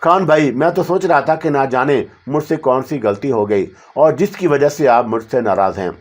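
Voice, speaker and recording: A man's voice: medium pitch, lightly acted. Loyal young male colleague, read by a male narrator, earnest and pleading, everyday voice, audio drama reading.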